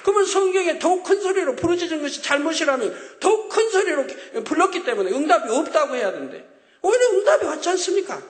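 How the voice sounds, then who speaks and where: A male pastor preaching a sermon with emphatic, repeating phrases that rise to loud exclamations. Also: extremely high pitch, big pitch swings, fast talker. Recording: echoey hall with long reverb.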